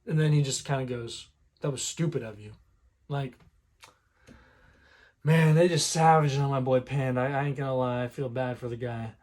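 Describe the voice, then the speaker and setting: A man retelling a manga chapter in casual commentary, rambling with many fillers and clearing a sore throat now and then. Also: medium pitch, steady tone, moderate pace, a little mellow. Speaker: manga reviewer.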